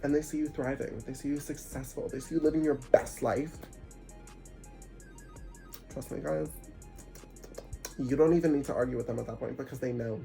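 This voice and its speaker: Young male vlogger, stuffy nose, animated and preachy, mid-pitched, faint music underneath. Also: moderate pace, gravelly, pauses often. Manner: animated, preachy, sarcastic asides. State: congested. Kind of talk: casual spiritual advice monologue.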